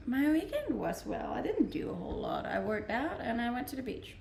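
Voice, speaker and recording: Gravelly Danish-accented young woman streamer. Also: a little high, fairly quick, roomy sound, a little hiss or hum. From Denmark. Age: 20s. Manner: relaxed, chatty, laughs often. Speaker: livestreamer. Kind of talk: casual chat reading viewer comments.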